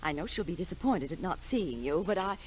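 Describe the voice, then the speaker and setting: A woman's voice: lowish voice, lively intonation, brisk, natural voice. Actress playing a gushy flustered middle-aged lady, voice goes up and down a lot, slightly noisy old radio show. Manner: gushing, flustered, overly polite. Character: fretful, falsely gracious mother in a mystery. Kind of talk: 1940s radio drama acting. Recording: noisy vintage radio recording.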